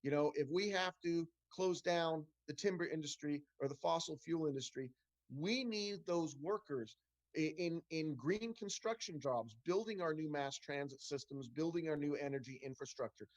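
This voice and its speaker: Middle-aged candidate, earnest, halting, slightly high voice, dry close video-call sound. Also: male voice, no echo, rough recording. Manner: earnest, many restarts and fillers. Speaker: congressional candidate. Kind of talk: town hall Q&A answers.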